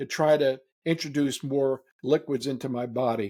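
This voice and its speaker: Dark and mellow in tone, a man's medium-pitched voice carries fairly even intonation. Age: 70s. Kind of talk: casual talk to camera. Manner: unscripted, hesitant.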